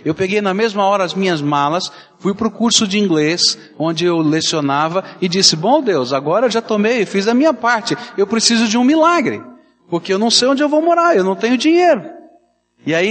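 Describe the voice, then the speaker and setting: A man's voice: sits high, in a large hall. A Brazilian man preaching a sermon as a pastor, telling stories and acting out the people in them. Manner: animated storytelling, acting out quoted voices.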